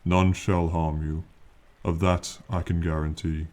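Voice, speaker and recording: A man performs an ancient male dragon in a fantasy ASMR roleplay. The voice is very deep and dark, with little rise or fall. The phrasing is stately and archaic, proud and condescending, yet fond of the mortal companion. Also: level tone. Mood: regal, reassuring. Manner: slow, formal, lofty, archaic phrasing.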